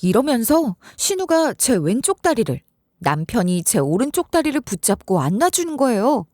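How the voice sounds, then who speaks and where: A woman narrating a first-person story script for a story radio show in an expressive, lively way. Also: on the high side, normal speed, no echo, clean studio sound.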